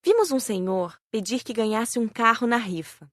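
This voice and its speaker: A woman's voice: fairly high pitch, expressive, no room sound. Brazilian woman narrating, dry and close. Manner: measured storytelling. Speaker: audiobook narrator. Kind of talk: scripted narration.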